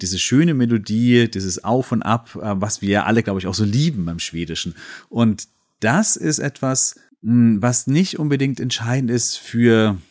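A man's voice: fairly low pitch, darkish tone. A man co-hosting a podcast language lesson, explaining stress rules in a chatty way, with many fillers. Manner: explanatory, with frequent fillers and restarts. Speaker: podcast co-host.

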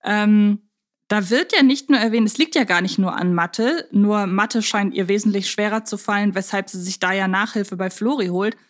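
A woman's voice: mid-range voice, normal speed. Chatty woman co-hosting a casual podcast. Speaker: podcast host. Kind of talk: casual humorous fan podcast discussion.

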